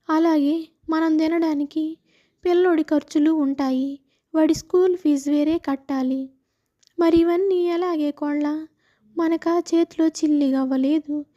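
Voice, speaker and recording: A woman's voice: sits high, dark tone, lo-fi sound. A woman voicing an anxious, bossy mother-in-law who scolds and complains.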